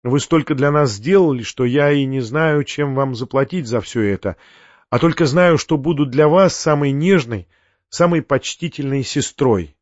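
A gentle, tearful young woman, as a male reader puts her on, soft and grateful. The sound is dull and dry. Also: mid-range voice, moderate pace, no echo, lightly acted. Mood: tender.

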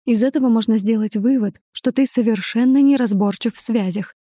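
A woman's voice: a little high, a little fast, mellow, no room sound, clean studio sound, natural voice. A woman voicing a frightened but defiant young heroine, tearful and pleading.

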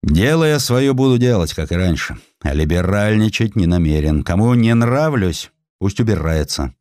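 A man's voice: lowish voice, expressive, normal speed, darkish tone, dry recording, clean studio sound, lightly acted. A man voicing a proud, aggrieved older doctor of imperial Russia in an indignant, declamatory manner for a dramatized audiobook. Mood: defiant.

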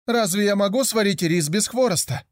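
A man's voice: high voice, moderate pace, dry recording, studio quality, voice pushed up, close to an everyday voice. A man voicing a poor mother who scolds her son sharply and impatiently. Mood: scolding.

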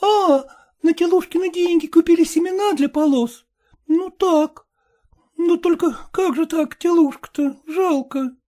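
A woman's voice: very high voice, unhurried, dark tone. A woman voicing an eager, impatient young peasant woman who presses and pleads in folksy speech. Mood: fretful.

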